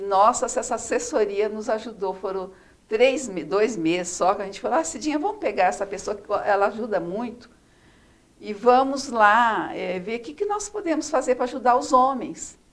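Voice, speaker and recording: Over noticeable background noise, a woman with a fairly high pitch talks at a moderate pace, her intonation lively and her loudness swinging widely. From Brazil, Araçatuba region of São Paulo state. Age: 60s. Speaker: former city councillor. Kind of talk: interview.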